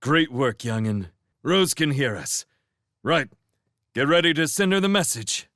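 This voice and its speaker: A man voicing a steady male mouse warrior who speaks firmly and encouragingly in an audiobook. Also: a little high, measured pace, dry recording, clean studio sound, voice pushed up. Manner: firm, encouraging.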